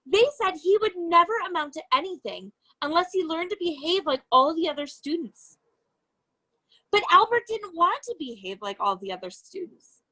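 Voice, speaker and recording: High-pitched woman reading a storybook aloud. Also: low-quality recording. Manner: expressive, deliberate phrasing with emphasized key words. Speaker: educator reading a children's book aloud. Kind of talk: children's storybook read-aloud.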